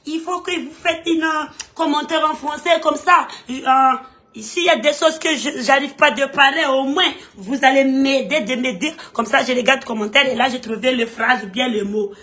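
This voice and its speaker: A woman's voice: sits high, normal speed, pushed and bright. A Malagasy woman, the host of a live stream, chatting casually in French and scolding her viewers in an emphatic, repetitive way. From Madagascar. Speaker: streamer reading comments.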